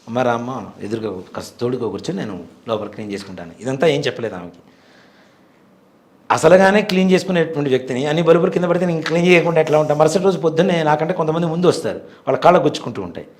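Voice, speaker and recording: Fast-talking man, earnest devout storyteller. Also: a little high, darkish tone. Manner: earnest, devout, vivid retelling. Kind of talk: interview storytelling.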